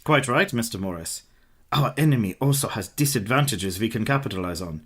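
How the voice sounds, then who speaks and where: An actor playing a learned vampire-hunting professor in a radio play, formal and lecturing. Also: male voice, medium pitch, animated, fairly quick, a bit bright, husky. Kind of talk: community radio play acting.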